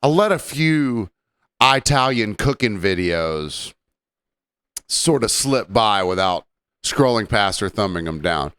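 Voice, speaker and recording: A man with a mild Southern accent hosting a podcast, rambling casually, joking and slipping into quick impressions. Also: lowish voice, lively intonation, a bit bright, smooth, no echo. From Southern United States. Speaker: podcast host.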